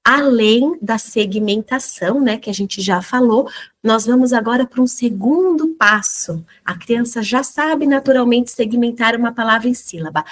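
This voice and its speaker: A woman with a Brazilian accent, her voice sitting a little high, leads a recorded training lesson for teachers. She explains things patiently, asks rhetorical questions, and slowly sounds out example words syllable by syllable. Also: expressive. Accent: Brazilian Portuguese. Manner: didactic, addresses teachers directly with rhetorical questions.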